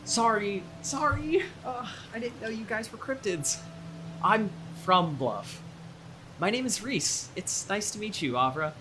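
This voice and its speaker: Woman acting lively, blunt small-town local. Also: mid-range voice, background noise, close to an everyday voice. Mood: apologetic, friendly. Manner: casual, halting, animated. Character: casual, blunt small-town local, young adult, wary of outsiders. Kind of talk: audio drama, naturalistic dialogue.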